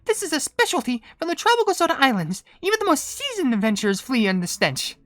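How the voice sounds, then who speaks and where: Proud young game princess, high and animated, eager and boastful, music underneath. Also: female voice, quick pace, no echo. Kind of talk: video game voice acting.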